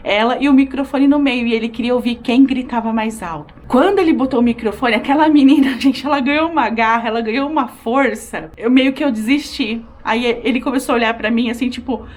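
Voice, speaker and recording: A woman vlogger telling a childhood story to camera in a casual, animated way, with many fillers. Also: a little high, fairly quick, few pauses. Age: adult. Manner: animated, frequent fillers, acts out shouting.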